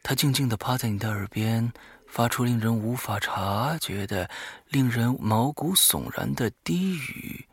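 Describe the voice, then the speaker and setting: A man's voice: mid-range voice, expressive, unhurried, husky, no echo. A man hosting a horror audio show, reading a diary aloud dramatically and breaking off for offhand, muttered asides.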